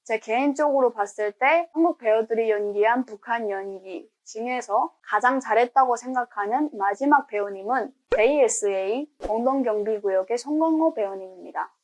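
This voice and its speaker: A woman's voice: on the high side, moderate pace, few pauses, rough recording. A woman from Pyongyang, North Korea, giving earnest, enthusiastic commentary in a talking-head vlog. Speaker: YouTuber.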